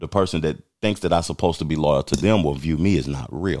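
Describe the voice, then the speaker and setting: The man's voice carries vocal fry and lively intonation. It's a very clean recording with a silent background. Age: 40s. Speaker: podcast host. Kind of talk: casual commentary. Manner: animated.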